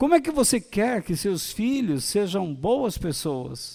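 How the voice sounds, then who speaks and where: Very wide pitch swings mark this man's dark, mellow voice, captured in a very clean recording with a silent background. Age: 60s. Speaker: pastor. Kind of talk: sermon.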